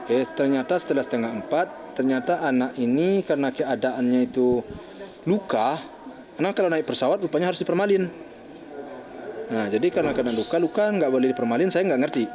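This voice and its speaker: An older man, a bereaved father, recounting events in an interview in a halting, shaken way, often restarting his sentences. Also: mid-range voice, lively intonation. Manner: halting, restarting, acting out phone calls.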